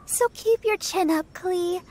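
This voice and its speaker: A woman voicing a sweet, caring teenage girl in a video game, with a light girlish voice and gentle, coaxing manner. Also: extremely high pitch, slow, a little hiss or hum. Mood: kind, encouraging.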